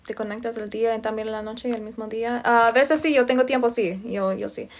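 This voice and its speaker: Her voice is on the high side, fairly quick, and fairly even in intonation. A young woman from Virginia, she runs a relaxed phone livestream indoors at home, phone held close, reading viewers' comments aloud, replying, and welcoming them by name.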